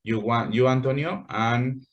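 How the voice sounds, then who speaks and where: A man's voice: mid-range voice, measured pace, lo-fi sound. A man teaching an English class over a video call, patient and full of fillers, checking in with "okay" often.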